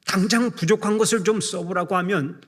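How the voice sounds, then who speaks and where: A middle-aged male senior pastor preaching a sermon in a measured way, slowing down to recite scripture. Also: high-pitched, a bit bright. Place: church sanctuary. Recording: long reverb of a big church hall.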